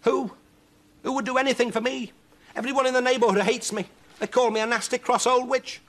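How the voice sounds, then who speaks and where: A man voicing a miserable, snappish old witch in a storybook, with a shrill, plaintive snarl. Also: steady tone, a little fast, sharp tone. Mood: wailing, desperate. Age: older.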